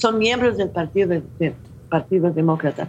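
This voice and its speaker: A woman talks in a medium-pitched voice whose pitch moves in an ordinary way. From New Mexico, US. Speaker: presidential candidate and socialist activist. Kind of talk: interview.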